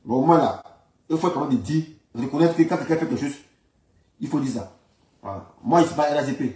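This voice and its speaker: A man's voice: fairly high pitch, fairly quick, a little mellow. A man with an Ivorian French accent giving informal political commentary, insisting on his points and repeating his phrases emphatically. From Ivory Coast. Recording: roomy echo, distant from the mic.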